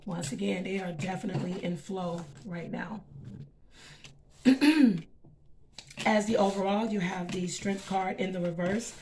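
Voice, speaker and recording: A woman's voice: mid-range voice, measured pace, pauses often, darkish tone. Scratchy-voiced woman doing a tarot reading. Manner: chatty, frequent um and okay. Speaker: tarot reader. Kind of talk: casual tarot reading to camera.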